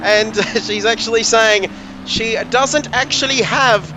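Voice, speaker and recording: High-voiced man calling a race. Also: slow, background noise. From Australia. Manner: jokey, rambling banter with co-host. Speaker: sim racing commentator. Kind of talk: live race commentary.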